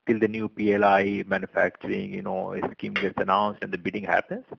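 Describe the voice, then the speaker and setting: Creaky-voiced Indian male analyst. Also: low-pitched, flat delivery, a little fast, background noise. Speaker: financial analyst asking questions. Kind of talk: formal conference call questions. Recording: dull, dry phone conference line.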